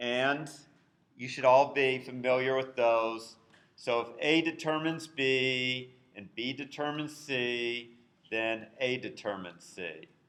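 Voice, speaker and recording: There is audible room echo as a man talks at a fairly slow pace. His pitch is medium. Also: ordinary pitch variation. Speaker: university lecturer. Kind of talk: lecture.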